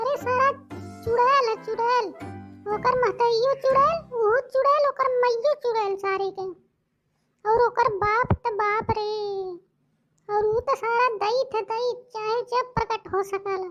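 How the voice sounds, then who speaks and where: A woman does a cartoonish character voice at an extremely high pitch. She speaks fairly slowly with fairly even intonation. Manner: rustic, exclamatory.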